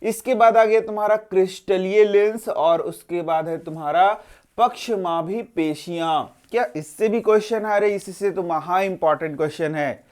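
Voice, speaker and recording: A man's voice: high-pitched, normal speed, darkish tone. A male teacher running an exam-prep lesson, posing questions to the students, answering them himself and repeating each answer. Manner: role-plays a tired student's interruptions.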